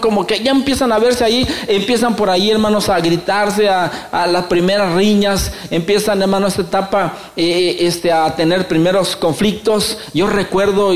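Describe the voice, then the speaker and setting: Middle-aged male pastor, high voice, folksy storytelling sermon. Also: moderate pace, hardly any pauses, reverberant. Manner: folksy, animated storytelling with joking asides.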